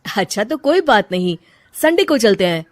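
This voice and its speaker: Woman voicing a gentle young husband. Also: mid-range voice, big pitch swings, normal speed, close to an everyday voice. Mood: coaxing. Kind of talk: cartoon voice acting.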